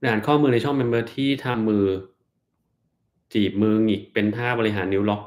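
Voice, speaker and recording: A man's voice: medium pitch, normal speed, darkish tone. A man, a doctor on a live stream, who reads out viewers' questions and answers them bluntly.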